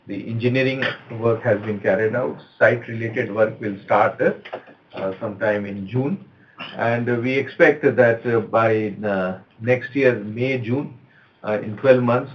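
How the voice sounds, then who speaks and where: An Indian-accented man, a company executive answering analysts on an earnings call in a measured, halting way. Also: fairly low pitch, a little hiss or hum. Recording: dull, lo-fi conference call.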